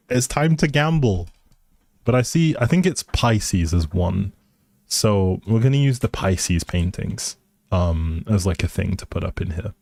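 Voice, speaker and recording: A man's voice: medium pitch, darkish tone, no echo, clean studio sound. A man livestreaming a game with casual, playful, teasing chat to his viewers.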